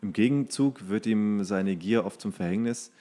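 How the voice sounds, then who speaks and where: A man's voice: fairly low pitch, normal speed, dark tone. A man co-hosting a casual podcast, reading entries aloud and now and then stumbling over the words. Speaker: podcast co-host.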